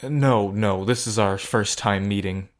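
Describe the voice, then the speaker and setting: Man playing an earnest low-voiced desperate gambler. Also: measured pace, natural voice. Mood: guarded, bluffing. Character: earnest, desperate male bartender bluffing as a gambler. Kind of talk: naturalistic audio drama acting.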